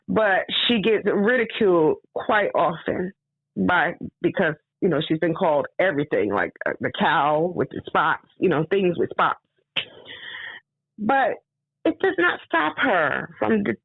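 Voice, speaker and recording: A woman author with a hoarse voice, talking casually in an interview and getting animated when she stresses a point. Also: dry recording. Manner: animated, rising pitch when emphatic. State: hoarse from screaming. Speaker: author guest. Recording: tinny phone line.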